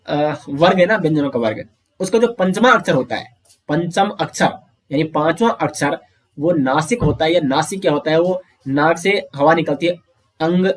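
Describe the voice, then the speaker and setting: Teaching grammar online, this somewhat high-voiced man moves through the material one step at a time, answering his own questions. He keeps calling his listeners friends, and he slows right down to voice each sound in pronunciation practice.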